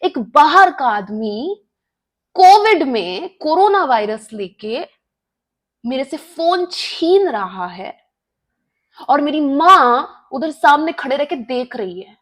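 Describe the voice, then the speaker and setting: High-voiced young woman telling a story. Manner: emotional, code-switching into English, swears. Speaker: vlogger. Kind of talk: storytime vlog.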